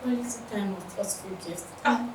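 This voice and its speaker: A woman's voice: fairly high pitch, normal speed. A Nigerian woman guest in a casual interview who laughs often and repeats herself. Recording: echoey room, distant mic, noisy.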